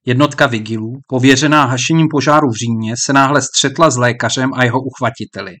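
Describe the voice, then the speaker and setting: A man reading a historical novel aloud as an audiobook narrator, measured and even, lifting his voice a little for the characters' lines. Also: mid-range voice.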